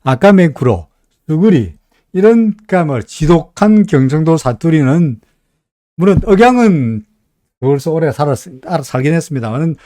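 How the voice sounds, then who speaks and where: This stock market analyst host is a middle-aged Gyeongsang man whose Korean carries that regional accent. His voice is a little high and mellow, with lively intonation at normal speed, recorded at studio quality with no room sound. He chats in a folksy way during the live commentary, frequently checking with listeners, "right?".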